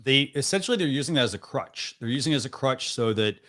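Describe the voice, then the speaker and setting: A young adult man hosts a casual live stream over a video call, chatting loosely and peppering his speech with "like" and "you know." His mid-range voice is animated, fast and fairly bright.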